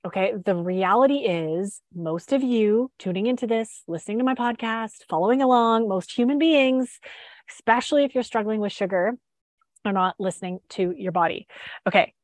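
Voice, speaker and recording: A woman's voice: medium pitch, normal speed, no room sound. Upbeat, stuffed-up woman podcast host. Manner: upbeat, chatty, with fillers and restarts. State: stuffed up with a head cold. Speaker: podcast host and sugar freedom coach. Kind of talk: casual live-stream talk.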